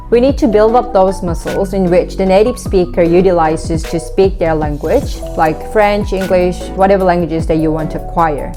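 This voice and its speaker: A young woman with a Korean accent, a Korean native speaker, giving relaxed conversational tips in a vlog, often using "like" as a filler. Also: medium pitch. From South Korea. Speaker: vlogger. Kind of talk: casual talking-to-camera tips. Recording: background music.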